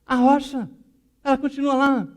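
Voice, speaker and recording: A man's voice: very high voice, steady tone, normal speed, pitched above the performer's own voice. A man preaching and voicing a distressed woman believer, who complains in a strained, insistent tone during a sermon story. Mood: pleading.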